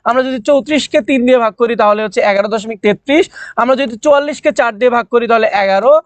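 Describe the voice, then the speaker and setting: A young man from Bangladesh teaching an economics class, talking fast, repeating key points and quizzing students as he works through the numbers. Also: very high-pitched, no echo. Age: young adult. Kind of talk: online class lecture.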